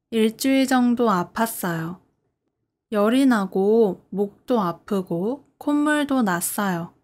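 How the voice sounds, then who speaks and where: Slow-speaking woman teaching in simple sentences. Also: mid-range voice. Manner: careful, simple phrasing with clear sentence breaks. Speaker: Korean language teacher. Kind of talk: scripted beginner listening lesson, simple short sentences.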